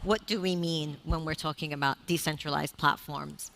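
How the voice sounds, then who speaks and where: A woman's voice: low voice, fairly even intonation, normal speed, gravelly, a bit bright. A woman moderating a conference panel, speaking fluently and framing the discussion. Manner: fluent, composed, introduces and frames topics. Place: conference stage.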